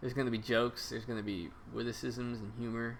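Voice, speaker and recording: A man talks at a medium pitch, and the room's echo can be heard around him. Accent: American. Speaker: game modder and streamer. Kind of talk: casual live stream while playing and debugging. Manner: animated.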